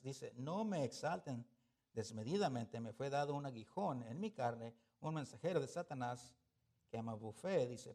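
A man preaching a sermon, animated, swinging between loud emphasis and soft asides, asking the congregation rhetorical questions. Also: medium pitch.

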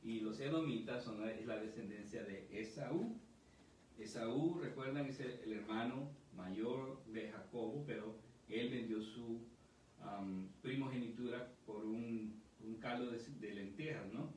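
A man's voice: medium pitch, a little slow, a little mellow, a little hiss or hum. A man preaching a verse-by-verse Bible teaching, reading scripture and explaining it in a conversational way, often checking in with "¿no?". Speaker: pastor. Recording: echoey room, distant mic, faint ambience.

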